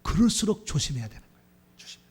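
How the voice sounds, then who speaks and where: A man's voice: a little high, very animated, quick pace, a little mellow, husky. A middle-aged male pastor giving a sermon and leading a repentance prayer in a fervent, declamatory way, with surging emphasis.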